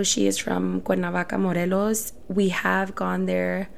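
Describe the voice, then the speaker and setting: A woman in her twenties hosts her own podcast, talking on her own in an earnest, reflective way. Her voice sits low and has a lot of vocal fry. A faint hiss runs under the recording. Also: a little mellow. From El Salvador, raised in Houston, Texas. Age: 20s. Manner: earnest, reflective, speaks in short phrases. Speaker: podcast host. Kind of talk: solo podcast monologue.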